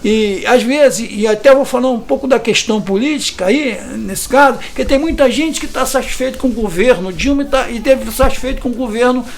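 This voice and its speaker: A man's voice: extremely high pitch, fairly quick, few pauses. A man, giving an indignant interview testimony and often ending sentences with a question tag. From Brazil. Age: 50s. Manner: hesitant restarts. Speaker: community resident interviewed about evictions.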